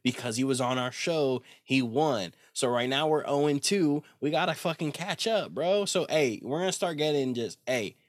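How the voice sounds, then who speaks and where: A man's voice: fairly high pitch, normal speed, hardly any pauses, dry recording, studio quality. A young man co-hosting a podcast, chatting loosely about fights with slang and swearing. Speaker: podcast co-host. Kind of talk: casual banter about fights.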